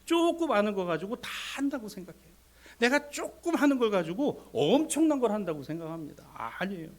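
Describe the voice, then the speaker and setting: Male pastor preaching, high voice that jumps all over, loud then whispery, talks straight to the congregation. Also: very animated, fairly quick. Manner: swings between raised exhortation and hushed whispers; addresses congregation directly, acts out voices of people and God. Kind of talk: sermon.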